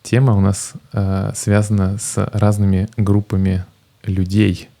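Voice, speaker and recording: Middle-aged male podcast host: deep, gravelly, jokey, hesitant. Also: completely flat delivery, warm tone. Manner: jokey, laughs often, halting with fillers. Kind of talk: casual group podcast chat.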